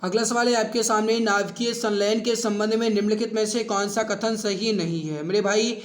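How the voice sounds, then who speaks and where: A man's voice: sits high, fairly even intonation, normal speed. A man speaking as an online exam-prep teacher, addressing students familiarly with emphatic repetition. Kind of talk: quiz lesson for exam students with promotional pitch.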